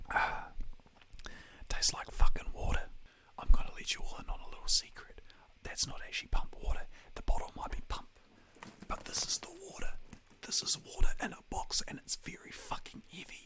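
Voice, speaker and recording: Whispering at a fairly quick pace with a New Zealand accent, a man leaves long, frequent pauses, his loudness swinging widely over noticeable background noise. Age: young. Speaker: ASMR creator. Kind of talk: ASMR casual chat to camera. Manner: whispered.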